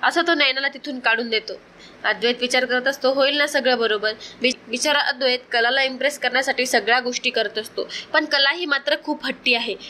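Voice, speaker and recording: Woman recap narrator, high-pitched and bright, storytelling with chatty asides. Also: brisk, slight background noise. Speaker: narrator of a serial episode recap.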